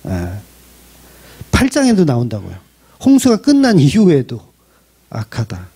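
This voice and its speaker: A man's voice: on the high side, huge pitch swings, unhurried, mellow, slightly rough. A male pastor delivering a church sermon in a conversational way, with rhetorical questions and light humor.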